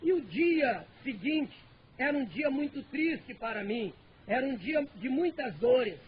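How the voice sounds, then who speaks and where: A man's voice: very high-pitched, lively intonation, unhurried, a crowd in the background. A man with a Brazilian accent giving an earnest church testimony, repeating phrases for emphasis. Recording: dull lo-fi recording with faint noise.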